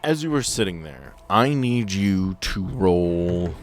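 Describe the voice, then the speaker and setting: Man, very low pitch, game master, improvised tabletop narration, faint music behind. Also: expressive, slow pace.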